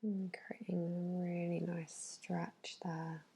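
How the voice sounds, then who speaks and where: A woman whispers a bedtime ASMR massage in a soft, dark, breathy voice. She speaks very slowly and soothingly, keeping her delivery even and hushed as she guides each step. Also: fairly low pitch. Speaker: facial massage therapist.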